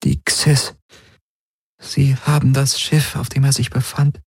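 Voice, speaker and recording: A tearful young woman pleads in a raised, trembling voice, as a male narrator puts her on. The voice is husky and dry, set close to the mic. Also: medium pitch, little pitch movement, slow, no echo, pitched above the performer's own voice, heavily acted.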